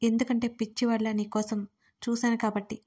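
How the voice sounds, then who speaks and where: A furious young husband who shouts and accuses in a high, level voice. A woman storyteller reads his lines in her own voice. It is a spoken audio story. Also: level tone, fairly quick, slightly rough. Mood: angry. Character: gruff angry young husband.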